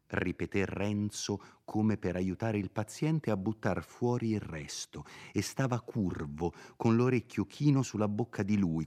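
A man reading a classic novel aloud in measured literary narration. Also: low voice, a little mellow. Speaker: reader.

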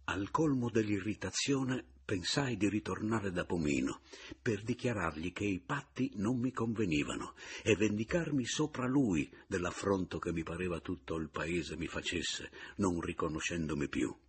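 A man reading a literary novel aloud as an audiobook narrator, in a measured, reflective first-person voice. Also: low-pitched, lively intonation, breathy edge.

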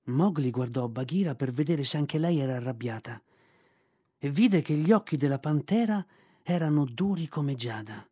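A man narrating a story in a steady reading voice. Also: a little high, normal speed, breathy edge, dry recording, studio quality. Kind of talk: audiobook narration.

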